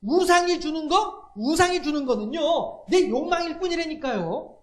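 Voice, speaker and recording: A man's voice: extremely high pitch, animated, normal speed, a bit bright. A male pastor, preaching in a conversational way, asking the congregation questions and acting out little quotes. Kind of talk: sermon.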